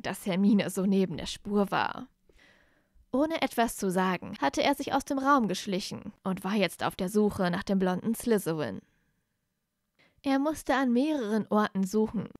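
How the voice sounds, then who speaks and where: A woman reading her own fan fiction aloud in calm, steady audiobook narration on a close mic. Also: mid-range voice, no room sound. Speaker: fanfiction reader.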